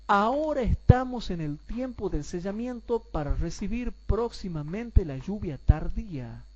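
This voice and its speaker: A man teaching a Bible class, asking rhetorical questions and calling his listeners brothers, and repeating points slowly so everyone follows. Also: high-pitched, expressive, muffled recording.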